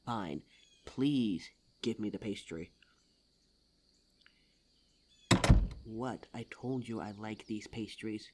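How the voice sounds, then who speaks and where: A performer voicing a suave, teasing demon lover in an intimate ASMR roleplay audio drama, smooth-talking and formal in address. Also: medium pitch, slow, noisy background, close to an everyday voice. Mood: petulant, greedy.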